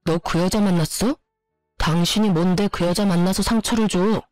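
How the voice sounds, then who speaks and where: A woman's voice: fairly low pitch, fairly even intonation, moderate pace, a little mellow, no echo, faint music behind, natural voice. A woman voicing a guilty middle-aged husband who turns defensive and accusing.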